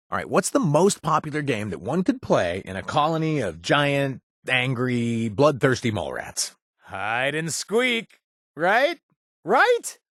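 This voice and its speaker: An actor playing a cocky, pun-loving male wasteland survivor who laughs at his own jokes, with a husky voice. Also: on the low side, fairly bright tone, no room sound, exaggerated voice. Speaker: game companion character. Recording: dry studio voice-over.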